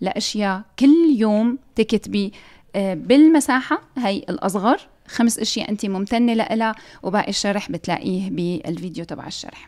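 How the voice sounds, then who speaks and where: A woman with an unremarkable speaking voice talks at a fairly slow pace in a fairly high pitch. Her intonation is lively, her loudness swings widely, and the background is quiet. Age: 40s. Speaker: podcast host and workshop coach; podcast host, workshop coach. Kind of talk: live stream talk to followers. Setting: live video stream. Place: home room. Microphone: studio mic.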